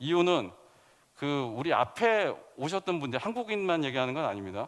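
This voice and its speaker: A man's fairly high voice at a moderate pace, swinging very widely in pitch. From South Korea. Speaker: startup founder and CEO. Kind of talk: conference presentation. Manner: halting, with many fillers.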